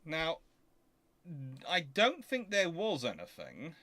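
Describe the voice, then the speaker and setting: A man hosting an informal question-and-answer show, explaining things in a halting, self-correcting way. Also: a little high, huge pitch swings, bright, forceful tone. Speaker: host of a naval history Q&A show.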